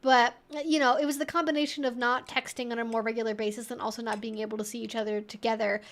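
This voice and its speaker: A woman's voice: a little high, flat delivery, fast. A woman hosting a casual advice livestream, answering questions in a conversational, rambling way peppered with "like" and "you know".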